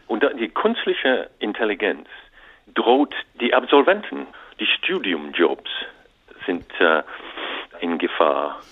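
A man calls in as an author, speaking German as a with as his first. He stumbles and restarts often and drops fillers into his sentences. His low, lively voice comes through a tinny phone line. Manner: halting non-native German with repeated restarts and English fillers. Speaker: author and interview guest. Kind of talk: radio interview.

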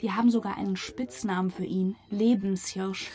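An actress playing an angry, grieving environmental activist with an accusing, sarcastic manner in a radio crime drama. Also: female voice, medium pitch, steady tone, normal speed, warm tone, slightly rough.

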